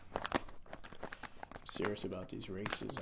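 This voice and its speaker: A soft-spoken man talks with fairly even intonation. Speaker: ASMR creator. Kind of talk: ASMR casual rambling to camera.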